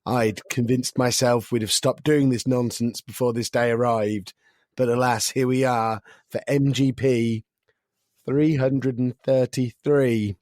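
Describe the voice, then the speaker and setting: A man hosts a podcast with a slightly croaky voice. His delivery is dry and self-deprecating, at a middling pitch, and the recording is close and dead with no room sound. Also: fairly even intonation, unhurried, a little mellow, dry recording. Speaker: podcast host. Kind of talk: casual podcast chat.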